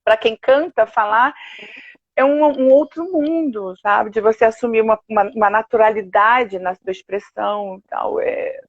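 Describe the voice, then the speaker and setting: Older woman, Brazilian accent, expressive storyteller, fairly high voice, muffled lo-fi audio. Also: normal speed, no echo. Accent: Brazilian Portuguese. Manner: lively storyteller, animated quoted asides. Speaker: guest, opera and musical theatre singer. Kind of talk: casual interview chat. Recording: dull, dry video-call audio.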